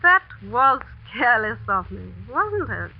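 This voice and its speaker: Cunning schoolteacher, high voice, icy and accusing, old radio drama. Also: female voice, very animated, a little slow, vocal fry, exaggerated voice. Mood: coolly mocking. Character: cool, cunning woman who poisons. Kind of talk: 1940s radio acting. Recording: muffled 1940s radio broadcast.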